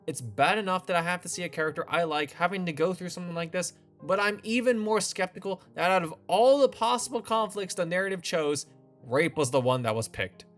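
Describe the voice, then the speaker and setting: A man's voice: sits high, animated, a little fast, soft background music. A man hosting a scripted commentary video, opinionated with a wry, sarcastic edge. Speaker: video essay host.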